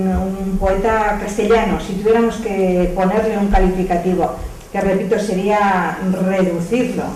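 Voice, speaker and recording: A woman's voice: medium pitch, dark tone. A woman with an accent from Spain, speaking spontaneously in a reflective, explanatory way during a literary discussion. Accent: Spanish (Spain). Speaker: audience member commenting. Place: echoey indoor hall at a public talk. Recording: distant, very echoey room, faint noise.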